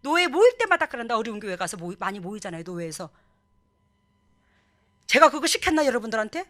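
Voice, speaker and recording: Woman pastor w/ preaching, bright fairly high voice, acts out the people she quotes. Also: very animated, quick pace. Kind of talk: sermon.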